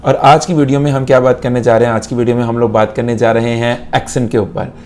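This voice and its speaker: A man's voice: medium pitch, level tone, fast, a little mellow. A young Pakistani man, an IELTS instructor, gives a lesson to camera in Urdu mixed with English and repeats key points for emphasis.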